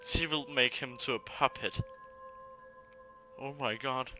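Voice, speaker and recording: A man's voice: mid-range voice, fairly even intonation, slow, music in the background. A man hosting a let's play, reading a visual novel aloud and breaking off for casual asides.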